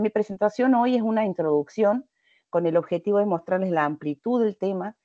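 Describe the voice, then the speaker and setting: A woman's voice: deep voice, warm tone, dry recording. Argentine woman lecturing on a video call. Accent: Argentine Spanish with some Portuguese mixing. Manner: measured, many hesitations and restarts. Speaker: invited lecturer. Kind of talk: webinar presentation. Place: home office with bookshelf. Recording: dry, dull video-call audio.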